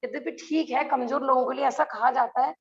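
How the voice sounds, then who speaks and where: A high-pitched woman with a gravelly texture leads an online scripture lesson. She speaks earnestly and keeps asking her class rhetorical questions. The sound is dull and lo-fi, as on a video call. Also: fairly even intonation, brisk. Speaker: religious teacher.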